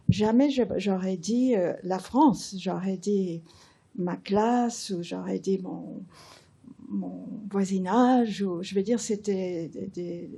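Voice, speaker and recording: An older woman in the audience making a thoughtful, measured comment at a talk, with pauses. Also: mid-range voice, creaky, dark tone, slightly rough. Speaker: audience member.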